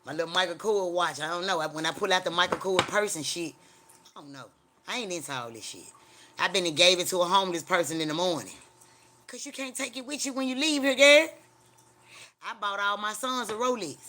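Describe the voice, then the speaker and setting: A middle-aged man from Mississippi, USA, with a Southern African American English accent chats casually on a livestream, rambling in a blunt, profane country way. His high voice is pushed and bright, he talks fast, and there's a little hiss or hum.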